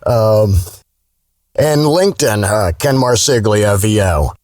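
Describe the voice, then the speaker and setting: A man's voice: on the low side, animated, takes it slowly, a little mellow, no echo, studio quality. A man being interviewed casually as a voice actor guest, speaking in a blunt, salty, informal way.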